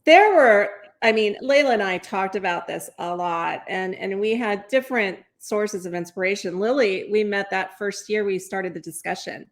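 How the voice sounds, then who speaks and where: A woman's voice: medium pitch, normal speed, few pauses. A woman recalling a memorable experience as an interview guest, reflective and a little awed. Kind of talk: interview, casual recollection.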